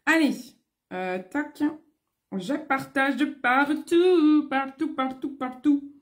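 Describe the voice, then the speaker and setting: A woman's voice: sits high, takes it slowly. A French woman hosting a casual live stream as a beauty consultant, chatty and greeting viewers by name, with a throat congested from a coming cold. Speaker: beauty consultant selling online.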